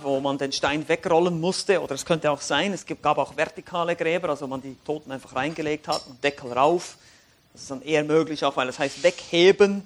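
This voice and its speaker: Animated high-voiced preacher. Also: male voice. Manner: animated, swings between quiet reflection and raised emphatic lines. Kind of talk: sermon with Bible reading.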